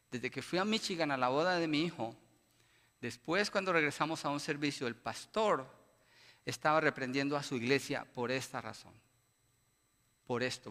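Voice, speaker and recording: A man's voice: a little high, bright, forceful tone. A middle-aged male pastor, preaching an impassioned sermon full of emphatic rhetorical questions in a church. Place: church sanctuary. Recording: long church reverb.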